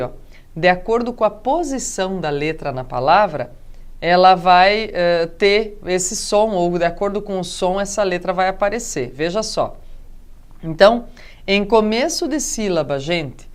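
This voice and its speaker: A woman teacher with a Brazilian Portuguese accent, giving a video lesson and explaining step by step, often checking with her students and drawing out example words. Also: on the low side. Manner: explanatory, frequent tag questions; drawn-out emphasis on example words.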